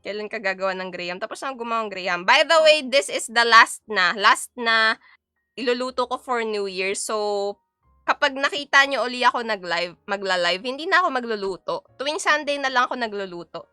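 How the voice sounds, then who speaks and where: Playful Filipino woman streaming, bright voice. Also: a little high, expressive, fairly quick, clear, resonant tone, no room sound, studio quality, soft background music. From Philippines. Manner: playful, chatty, switching between Tagalog and English. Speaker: VTuber streamer. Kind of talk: casual live-stream chat while cooking.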